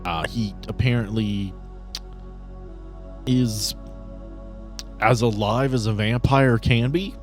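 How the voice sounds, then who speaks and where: A man with a fairly low voice narrates a tabletop game as its game master, chatting loosely and picking through descriptions deliberately. Music plays behind him. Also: fairly even intonation.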